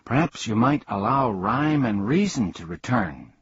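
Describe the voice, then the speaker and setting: A man voicing a polite, earnest, puzzled young boy in a storybook, given to gentle protest. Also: mid-range voice, big pitch swings, a little slow, breathy edge, dry recording, dull audio, full character voice. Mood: soft, hopeful. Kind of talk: storybook character reading.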